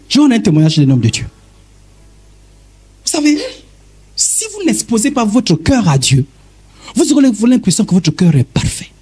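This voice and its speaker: Husky-voiced preaching man, animated pitch. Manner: emphatic preaching, wide pitch swings, direct address. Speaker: pastor. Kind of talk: sermon.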